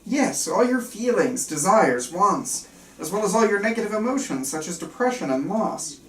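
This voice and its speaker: A woman's voice: mid-range voice, big pitch swings, moderate pace, natural voice. A woman playing an earnest, controlling male psychiatrist at a script table read, stumbling slightly and speaking clinically and insistently. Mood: calm, clinical. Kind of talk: table reading of a film script. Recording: roomy, distant mic, faint room noise.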